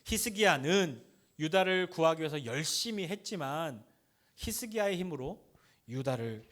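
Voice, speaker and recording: A man's voice: a little high, expressive, moderate pace, fairly bright tone. Man preaching in a conversational sermon. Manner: conversational preaching, acts out taunting quotes in a blunt casual voice. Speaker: pastor.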